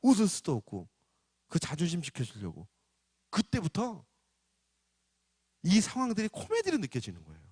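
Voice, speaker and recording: Man preaching with animated storytelling. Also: high-pitched, normal speed, pauses often, breathy edge, dry recording. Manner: animated storytelling, acts out voices. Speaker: pastor. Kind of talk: sermon. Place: church.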